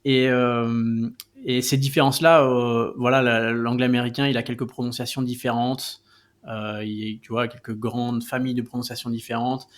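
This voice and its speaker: Man explaining at length, mid-pitched. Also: little pitch movement, normal speed. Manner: explanatory, many fillers and restarts. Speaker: guest, co-founder of a language site. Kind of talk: casual interview explanation.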